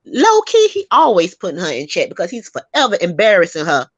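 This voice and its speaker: A woman hosting a casual gossip chat, talking in an animated, sassy and emphatic way and laughing often. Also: on the low side, a little fast, no echo, muffled recording. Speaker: host.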